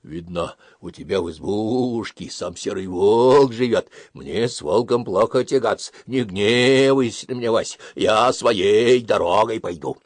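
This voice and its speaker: A man's voice: lowish voice, lively intonation, a little slow, few pauses, dry recording. A man voicing a friendly male ram who bleats and backs off. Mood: apologetic. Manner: bleating calls.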